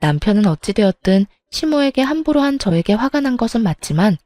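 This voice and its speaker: A woman's voice: medium pitch, big pitch swings, fairly quick, mellow, dry recording, faint music behind. A woman narrating a personal family story in the first person, firm and blunt.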